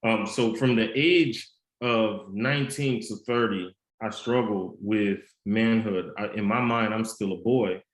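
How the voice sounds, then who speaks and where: A man with a slight Haitian Creole accent, a guest author and mentor telling his story in an earnest, measured way in a podcast interview. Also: lowish voice. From United States. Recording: roomy echo.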